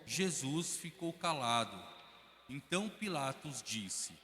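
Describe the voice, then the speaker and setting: A Brazilian man narrating a liturgical Passion reading in an even, measured way in a large church. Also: medium pitch. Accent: Brazilian Portuguese. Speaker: narrator reader. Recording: long church reverb.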